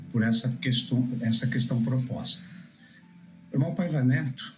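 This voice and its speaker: Man, Brazilian accent, mid-pitched, solemn, deliberate, explanatory preaching, soft background music. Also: poor audio. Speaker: preacher, guest answering questions. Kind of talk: religious teaching, explanatory answer.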